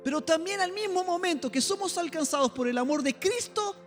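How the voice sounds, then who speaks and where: A male pastor tells a story in a sermon. His voice sits very high, and he acts out each person's lines with strong feeling. Faint music plays under his words. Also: expressive, brisk. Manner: emotional storytelling, acts out dialogue. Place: church.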